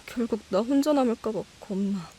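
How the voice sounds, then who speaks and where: A woman's voice: fairly high pitch, normal speed, dark tone, a little hiss or hum, lightly acted. A woman acting an anxious, wistful young woman afraid of loss in an audio drama. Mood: hurt, fearful.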